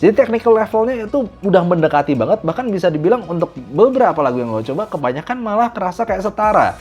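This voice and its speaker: A man from Indonesia giving a casual, animated spoken review of audio gear, mixing in English phrases. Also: sits high, fast, slightly rough, faint music behind.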